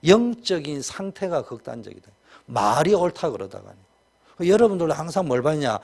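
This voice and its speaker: A man's voice: a little high, darkish tone. A man with a Gyeongsang Korean accent preaching a sermon as pastor, colloquial and emphatic, with many rhetorical questions.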